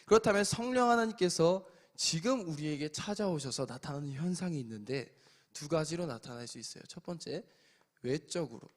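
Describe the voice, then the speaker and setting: Male pastor, lively sermon, voice a little high, loud bursts then hushed lines. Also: moderate pace. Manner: animated preaching with sudden loud and soft swings. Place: church sanctuary.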